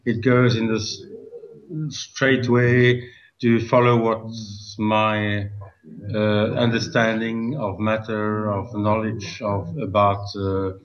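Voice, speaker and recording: A man from Belgium introducing himself, halting with many fillers. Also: fairly low pitch, level tone, dull audio. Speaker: workshop participant. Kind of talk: self-introduction.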